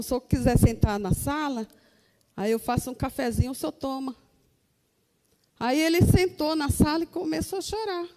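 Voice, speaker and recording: A woman's voice: fairly high pitch, warm tone, big-room sound. A Brazilian woman giving an earnest testimony to a congregation, calling her listeners brothers. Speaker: church member giving testimony.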